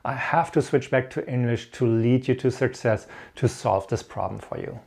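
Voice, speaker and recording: A middle-aged man with a German accent speaks in a mid-pitched voice with noticeable creak. He explains things like a career coach, encouraging the listener and leaning on key points. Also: normal speed, darkish tone. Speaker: host of an IT career advice channel. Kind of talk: instructional talk with personal stories.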